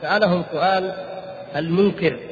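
A man delivering a formal Islamic lecture, reading and explaining a text in a deliberate way, pausing between short phrases. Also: high voice. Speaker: religious lecturer. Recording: echoey reverberant hall, muffled, faint noise.

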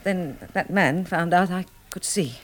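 Playing a rattled but courteous upper-class young Englishwoman, this 1960s radio drama actress speaks in a lowish, unhurried voice. She hesitates and restarts breathlessly, and the old recording carries faint noise.

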